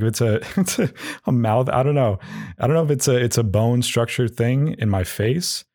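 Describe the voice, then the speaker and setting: A man hosting a casual solo podcast, rambling with halting, self-deprecating phrasing and dry, goofy humor. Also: medium pitch, darkish tone, no echo. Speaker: podcast host.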